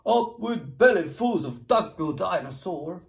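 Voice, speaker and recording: Bellowing out a slow, booming battle chant, this pack of fierce, hungry storybook tyrannosaurs, put on by a woman reading aloud, sounds loud and eager for a fight. The lines swing widely up and down. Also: animated. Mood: gruff chant.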